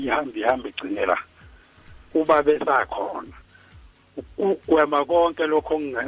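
A man's voice: fairly high pitch, fairly bright tone, slightly rough, no room sound. A man with a Zulu South African accent giving his view as a phone-in caller, on a dull lo-fi line. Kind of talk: opinion-giving on air.

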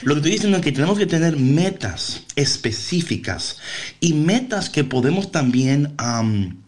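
Animated Spanglish-speaking man hosting a talk show. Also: fairly high pitch, moderate pace. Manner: Spanglish, slipping English words and phrases into Spanish; explanatory, checking in with rhetorical questions. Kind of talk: casual motivational talk with a co-host.

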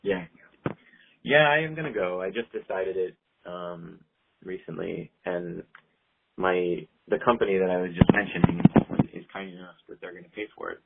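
Heard through a tinny phone line with slight background noise, this herbalist guest speaks at normal speed in a low voice with vocal fry. His casual interview answers ramble easygoingly, peppered with fillers like "like" and "you know."

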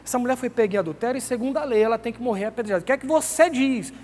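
A man voicing a battered, desperate woman from scripture who recounts her ordeal slowly and heavily in the first person. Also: very high-pitched, a little mellow. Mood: anguished. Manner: slow, heavy, pleading retelling in first person. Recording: long hall reverb, faint background noise.

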